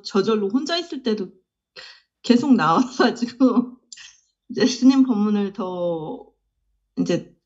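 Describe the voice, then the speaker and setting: A woman's voice: mid-range voice, a little mellow, dull audio. A woman student confessing candidly in a question session, hesitant with many fillers and sheepish laughs, over a remote call line.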